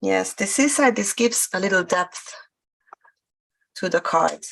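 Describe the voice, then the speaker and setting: A woman with a Hungarian accent, her voice carrying a light gravelly fry. She explains each crafting step patiently, pausing often with fillers, at a middling pitch. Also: lively intonation, a bit bright. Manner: hesitant, many fillers, explains steps slowly. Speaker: guest crafter. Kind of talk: live craft demonstration.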